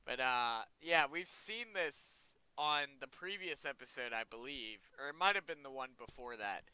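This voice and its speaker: Young male host, casual reaction commentary, bright lively voice, smooth and dry. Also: mid-range voice, normal speed, dry recording, rough recording. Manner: rambling, chatty, repeats himself. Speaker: video host.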